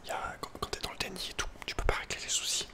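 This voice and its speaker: Whispering man, casual ASMR chat. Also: very fast. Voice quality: breathy unvoiced whisper. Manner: hesitant, informal, slangy. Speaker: ASMR video creator.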